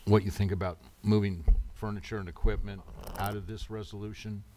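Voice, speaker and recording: A man speaking as the chair of a public council meeting in a measured, procedural way. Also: on the low side, little pitch movement, warm tone.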